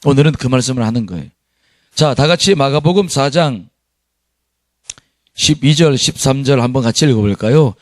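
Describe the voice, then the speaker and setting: A man's voice: medium pitch, moderate pace, pauses often, dry recording, clean studio sound. A middle-aged man preaching a sermon as pastor, reading scripture aloud with his congregation and chuckling at his own past.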